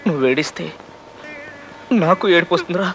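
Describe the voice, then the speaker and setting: An actor playing a remorseful elder brother who gently consoles his younger brother. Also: fairly high pitch, a little fast, faint music behind, poor audio. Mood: tender. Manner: tender, consoling. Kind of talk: emotional film dialogue.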